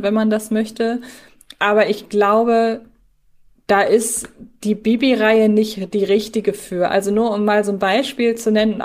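Reflective woman co-hosting a podcast. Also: medium pitch. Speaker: podcast co-host. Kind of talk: conversational fan discussion.

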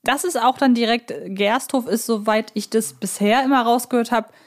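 A woman's voice: fairly high pitch, steady tone, normal speed. A woman from northern Germany talking casually as the co-host of a conversational podcast. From Hamburg, Germany.

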